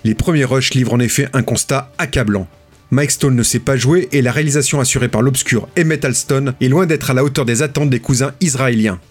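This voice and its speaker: A husky male voice narrating a documentary in a measured, storytelling tone, pitched in the middle range. Soft music runs quietly underneath him throughout.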